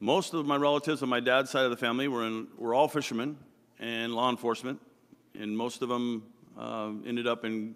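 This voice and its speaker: Speaking at a fairly quick pace with long, frequent pauses, this Pacific Northwest accent comes through on a very clean recording with a silent background. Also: man. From Washington State, Anacortes. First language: Croatian. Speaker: political candidate. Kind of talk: candidate forum speech. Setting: community forum with audience.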